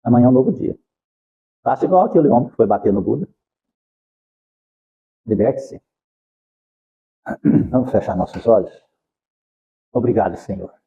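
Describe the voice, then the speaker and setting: A man lecturing at a spiritist center in an animated, rhetorical way, later leading a prayer, in a dull lo-fi recording. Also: medium pitch, normal speed, pauses often, slight background noise. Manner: animated, rhetorical questions, acts out quotes.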